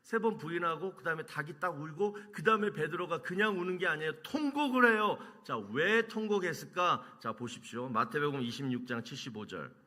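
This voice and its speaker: A man preaching a sermon as pastor, quizzing the congregation and answering his own questions, moving between loud emphasis and hushed lines. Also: a little high, lively intonation, brisk, hardly any pauses. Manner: asks the congregation questions and answers them himself.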